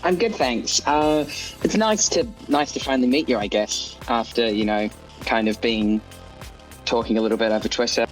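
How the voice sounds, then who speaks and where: Male guest from New Zealand, middle pitch, easygoing hesitant chat. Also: moderate pace, soft background music, poor audio. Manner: relaxed, hesitant with fillers. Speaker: guest author. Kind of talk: casual interview chat.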